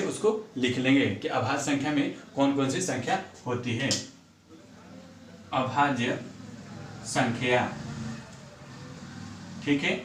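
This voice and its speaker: A man's voice: mid-range voice, slight background noise. A man teaching a math lesson, counting sums aloud and asking himself questions before answering them. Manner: repeats numbers aloud while working sums, asks and answers own questions. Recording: echoey room, far from mic.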